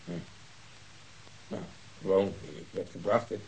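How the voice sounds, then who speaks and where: A man playing a stubborn, grumpy injured policeman with a gruff, curt manner in a Dutch radio drama. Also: low-pitched, a little slow, poor audio. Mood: irritated, stubborn. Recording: hissy old radio drama recording.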